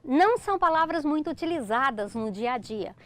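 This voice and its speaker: Speaking briskly in a high, animated and fairly bright voice, a middle-aged Brazilian woman with a Brazilian Portuguese accent leads a recorded online grammar class. She breaks things down step by step and repeatedly checks in with "ok?".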